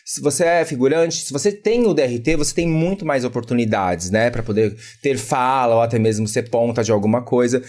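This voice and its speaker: Male, 30s, São Paulo Brazilian accent, mid-pitched, conversational guest storyteller. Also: a little fast, few pauses, a little mellow. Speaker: podcast guest.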